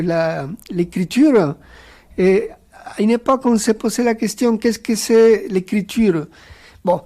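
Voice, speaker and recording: A man whose first language is Spanish, speaking on a round-table panel as a guest author, thoughtful and hesitant with many pauses and fillers. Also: sits high, mellow. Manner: reflective, philosophical.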